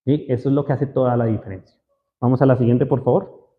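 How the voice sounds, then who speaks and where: A man's voice: mid-range voice, fairly even intonation, quick pace. A man preaching a sermon to a congregation, often asking the listeners questions. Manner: asks the audience frequent questions. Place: church hall. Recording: roomy hall echo, dull lo-fi sound.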